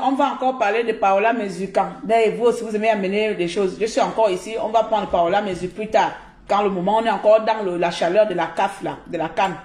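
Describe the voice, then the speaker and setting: A woman's voice: mid-range voice, a little mellow, roomy sound. A woman from Cameroon with a Cameroonian French accent, giving blunt, mocking live commentary as a streamer.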